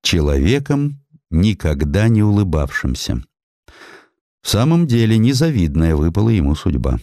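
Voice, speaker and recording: A man narrating historical prose as an audiobook reader, in an expressive, theatrical storytelling manner. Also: low voice, moderate pace, dry recording, clean studio sound.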